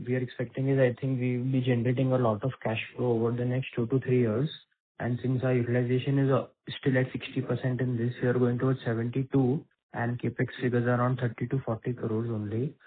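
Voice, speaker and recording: A man with an Indian accent and a rough, husky voice speaks down a tinny phone line. He is an analyst putting a question to management. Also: medium pitch. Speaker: analyst caller asking questions. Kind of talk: earnings call questioning.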